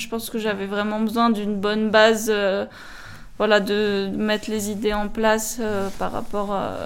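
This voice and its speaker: In a room with audible echo, a woman speaks in a fairly high pitch with monotone, flat intonation. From French Alps, Tignes. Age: 20s. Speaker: alpine skier. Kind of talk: interview. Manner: hesitant with fillers.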